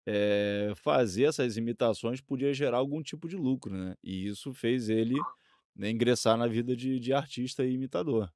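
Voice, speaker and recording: A man's voice: medium pitch, moderate pace, darkish tone, dry recording, studio quality. A man with a Brazilian accent chatting casually as a co-host, hesitating, repeating phrases and adding little question tags. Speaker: podcast co-host. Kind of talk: casual conversational commentary.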